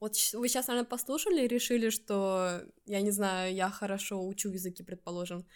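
An unremarkable speaking voice moves at a fairly quick pace with ordinary pitch variation. The recording is very clean with a silent background. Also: woman, medium pitch for a woman. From Estonia, Russian-speaking family, small town. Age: 20s. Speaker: podcast co-host, translator. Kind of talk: casual chat.

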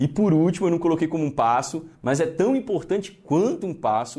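Against a quiet background, a man speaks with a dark, mellow tone. His pitch is high, and his intonation is lively. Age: 20s. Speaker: network marketing trainer / YouTuber. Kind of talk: tutorial.

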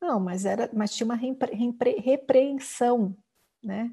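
A woman speaks at a fairly slow pace with fairly even intonation. Her pitch is fairly high and her tone is dark and mellow. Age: 40s. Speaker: spiritual teacher. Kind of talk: live Q&A talk. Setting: livestream. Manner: informal, conversational.

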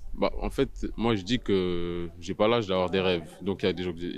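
With ordinary pitch variation, the man's words come out fairly slowly. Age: 20s. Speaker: MMA fighter. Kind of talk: interview. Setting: gym beside the dojo.

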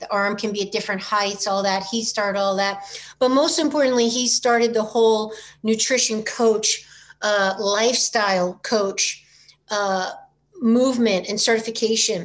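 A woman with an unremarkable speaking voice and fairly high pitch talks at a moderate pace with fairly even intonation. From Massachusetts, north of Boston. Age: 50s. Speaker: fitness and wellness coach. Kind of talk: casual interview chat.

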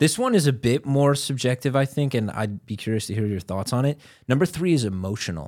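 On a very clean recording with a silent background, a man with an American accent talks at a fairly quick pace, medium in pitch and lively in intonation. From Chicago, US Midwest. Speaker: podcast host. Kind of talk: casual chat. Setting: studio.

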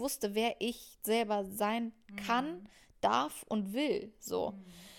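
A woman has a plain, everyday voice, fairly high in pitch, with ordinary pitch variation. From Germany, rural village. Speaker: singer-songwriter. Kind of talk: casual interview chat.

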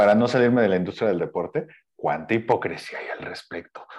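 In a quiet background, a man talks at a fairly quick pace with ordinary pitch variation and an ordinary speaking voice. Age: 30s. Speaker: podcast co-host. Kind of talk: casual chat.

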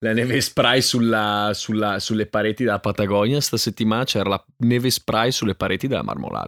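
Speaking at a moderate pace with hardly any pauses, a man keeps a fairly low pitch and fairly even intonation in a dry, close recording with no echo. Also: very clean recording, silent background. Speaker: podcast co-host. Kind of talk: casual chat.

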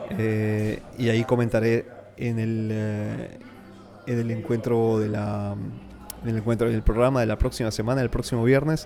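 This man talks at a fairly slow pace with monotone, flat intonation. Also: medium pitch for a man. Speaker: podcast host. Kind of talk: casual monologue. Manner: hesitant, many fillers and repetitions.

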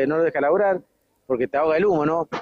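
A very fast man's voice, high-pitched, with ordinary pitch variation. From Argentina, Santa Fe province. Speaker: fishing cooperative president. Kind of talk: street interview. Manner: halting, many repetitions.

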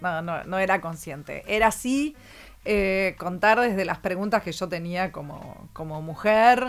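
A woman at a medium pitch and fairly slow pace, with ordinary pitch variation, big swings in loudness and music in the background. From Argentina, Buenos Aires area (Martínez). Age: 40s. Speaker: film director and producer. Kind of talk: interview. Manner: halting, many fillers and repetitions.

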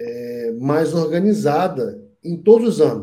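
At a fairly slow pace, a man speaks in a dark, mellow, somewhat breathy tone with very wide pitch swings. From Rio de Janeiro, Brazil. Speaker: network instructor and telecom entrepreneur. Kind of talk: casual interview chat.

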